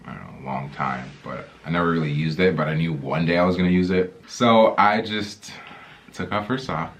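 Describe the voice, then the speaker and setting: A young man from the Dominican Republic chatting casually with his girlfriend on their vlog, easygoing and quick to laugh. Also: sits low. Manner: easygoing, laughs a lot, lively intonation. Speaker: vlogger's boyfriend. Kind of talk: casual couple chat.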